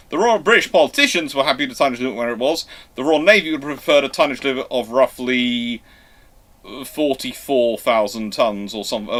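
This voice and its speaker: A man with a mid-pitched voice hosts a live question-and-answer talk. He explains things emphatically, often stopping to repeat and rework a phrase before carrying on. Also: a bit bright. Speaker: host answering viewer questions.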